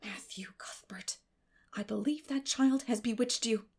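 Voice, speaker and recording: A woman's voice: on the high side, darkish tone, husky. Woman voicing a stern, indignant older spinster. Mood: astonished, indignant. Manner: brisk, scolding, emphatic.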